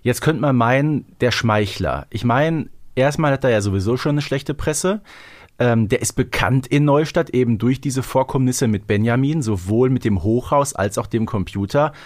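A man's voice: medium pitch, moderate pace, a little mellow. A man hosting a podcast, discussing things with a fan's enthusiasm in an effusive, emphatic way. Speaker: podcast host.

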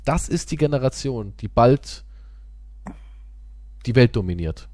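A man's voice: mid-range voice, measured pace, dry recording, studio quality. A man hosting a casual podcast, telling stories theatrically and teasing his co-host with sarcasm. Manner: animated, theatrical storytelling.

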